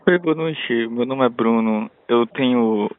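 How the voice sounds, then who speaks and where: Um homem ligando para o suporte, ouvido por uma linha telefônica fixa, perguntando sem parar se está sendo ouvido. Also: male voice, medium pitch, takes it slowly. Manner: loud, keeps asking if he is heard. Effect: heard over a landline phone line. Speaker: customer calling support. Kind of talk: phone call. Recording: tinny phone line, dry.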